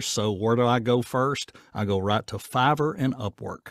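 Over a quiet background, a man speaks at a moderate pace with ordinary pitch variation in a dry sound with no echo. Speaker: voice actor guest. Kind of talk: interview answer. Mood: relaxed, friendly. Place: studio. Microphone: studio mic.

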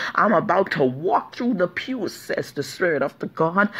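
An intense tone and lively intonation carry the speech at a moderate pace. Noticeable background noise can be heard. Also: woman. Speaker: prophetess leading prayer. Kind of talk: fervent prophetic prayer and declaration, with tongues and repeated hallelujahs. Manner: intense, impassioned, rhythmic repetition; pronouncing prophecy in a commanding voice as the Lord, then crying out in praise.

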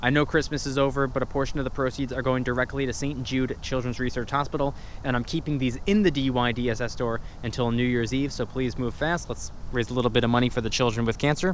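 Over light background noise, a man talks at a very fast pace in dry sound with no echo. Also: fairly even intonation. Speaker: personal finance vlogger. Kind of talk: casual vlog chat with sponsor reads. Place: open country. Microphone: phone near.

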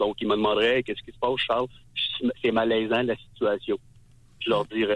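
At a fairly quick pace, a man with a medium-pitched voice speaks in a flat, monotone way while his loudness swings widely. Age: 30s. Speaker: caller. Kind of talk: phone-in call. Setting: phone call.

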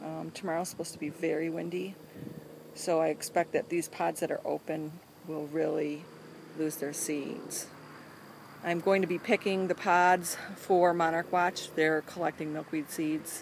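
The speech moves at a moderate pace. Noticeable background noise runs underneath. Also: dry sound with no echo. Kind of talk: casual explanatory talk. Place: garden. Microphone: phone near.

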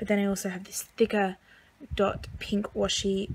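Against noticeable background noise, a woman's voice comes through somewhat breathy. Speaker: planner vlogger. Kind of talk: casual vlog chat. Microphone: camera far.

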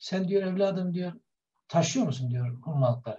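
Dark, mellow tone from a man, with ordinary pitch variation at a moderate pace. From Turkey. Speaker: Islamic studies scholar; guest. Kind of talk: interview storytelling about hadith. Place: home room. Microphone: video call.

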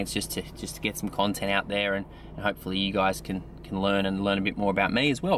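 A man speaks in a dry sound with no echo. There is light background noise. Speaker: personal trainer. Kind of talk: casual vlog chat. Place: car. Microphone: phone near.

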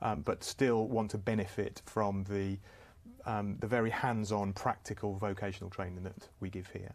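Here is a man with an unremarkable speaking voice. His pitch sits fairly low. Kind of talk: interview answer. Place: studio. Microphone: lapel.

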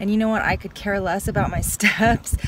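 Noticeable background noise sits behind a woman's voice, which is dry with no echo. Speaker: vlogger. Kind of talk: casual vlog chat. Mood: relaxed, a bit lazy. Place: car. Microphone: phone near.

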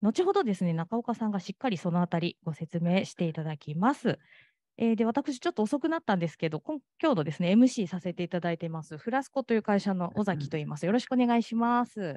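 Very fast speech in a dark, mellow tone swings very widely in pitch against a quiet background. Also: woman, medium pitch for a woman, dry, close sound with no echo. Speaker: event moderator. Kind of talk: information session presentation. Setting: live event venue with audience.

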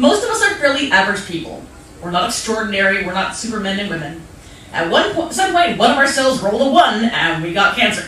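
A woman talks at a very fast pace, her fairly high pitch making very wide swings. Light background noise and audible room echo surround her. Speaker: open mic performer and cancer survivor. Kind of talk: reading aloud a personal essay at an open mic, with dark-humored stand-up touches. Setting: stage with audience. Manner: earnest and heartfelt toward the close. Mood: earnest, wry, a bit indignant. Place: stage.

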